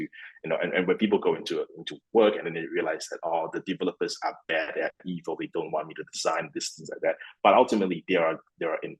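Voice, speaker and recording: A man's voice: very deep voice, slightly rough, poor audio. A man in his thirties from Malaysia, answering interview questions at length, with many restarts. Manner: rambling, with many restarts and fillers. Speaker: guest, fund CEO.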